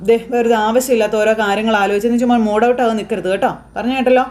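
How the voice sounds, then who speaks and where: A woman's voice: on the high side, fairly even intonation, rapid-fire, a little mellow, lightly acted. A woman doing a cocky, dismissive young husband.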